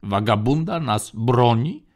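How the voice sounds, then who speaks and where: A man's voice: mid-range voice, lively intonation, slow pace, darkish tone. A man voicing a cocky, wry male general in a spoken space story. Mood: urgent.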